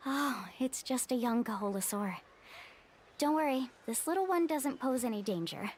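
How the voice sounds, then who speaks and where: Confident young game heroine, bright-spirited adventurer, high pitch, swooping delivery. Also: female voice, lively intonation, moderate pace, a little hiss or hum. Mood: confident, friendly. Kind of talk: video game character acting.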